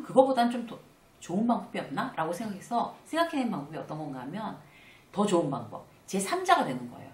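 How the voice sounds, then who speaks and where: Lively woman lecturer in a roomy space. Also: medium pitch. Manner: conversational, acts out little dialogues with animated asides. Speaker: workplace lecturer and author. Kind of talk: casual spoken lecture. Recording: roomy, slightly distant mic.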